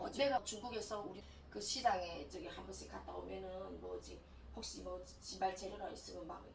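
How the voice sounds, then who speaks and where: Animated woman's voice in a North Korean accent, with noticeable background noise and audible room echo. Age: middle-aged. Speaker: YouTuber, North Korean defector. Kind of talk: casual chat.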